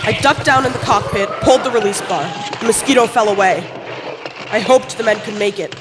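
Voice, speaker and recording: Grave, guilt-ridden airship officer for a radio play, played by a student actor; mid-pitched, buried in loud noise. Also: brisk, lightly acted. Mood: somber, regretful. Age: teenager. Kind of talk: dramatic first-person radio play narration. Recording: very noisy live stage recording, loud effects.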